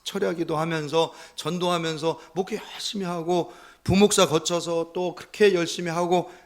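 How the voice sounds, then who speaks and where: A man's voice: fairly high pitch, fairly even intonation, normal speed. A middle-aged man preaching a Sunday sermon as pastor, telling stories and acting out the voices he quotes. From South Korea.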